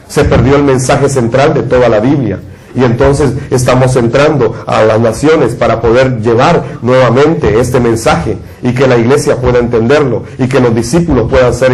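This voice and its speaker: A man's voice: mid-range voice, a little mellow, rough recording. A man from Guatemala, a preacher giving a sermon and leading a prayer with a repetitive, fervent cadence.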